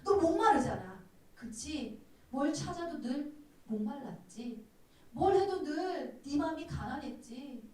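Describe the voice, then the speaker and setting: A gentle, pleading savior speaks softly and coaxingly, as a woman pastor voices him. The voice sits high and lilts widely. It sounds distant in a very echoey room. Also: lively intonation, unhurried. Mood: tender, pleading. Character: gentle divine male savior, tender and pleading.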